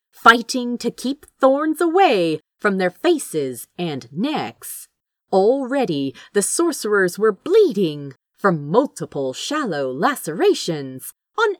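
A woman reading fantasy fiction aloud with dramatic, expressive and deliberate narration. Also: mid-range voice, no room sound, clean studio sound. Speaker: amateur audiobook reader.

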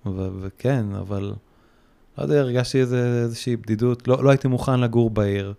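A man in his thirties or forties, a podcast guest, talking casually and haltingly with many restarts. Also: medium pitch, creaky, mellow, clean tone. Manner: hesitant, many restarts and fillers. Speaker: guest, surfboard repairer.

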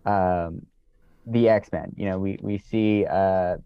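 A man's voice: low-pitched, steady tone, takes it slowly, smooth, no room sound. A man co-hosting a casual podcast over a video call from his basement, talking with hesitant restarts. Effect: video call audio. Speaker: podcast co-host. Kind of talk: casual chat. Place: home basement. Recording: dull lo-fi dry video call.

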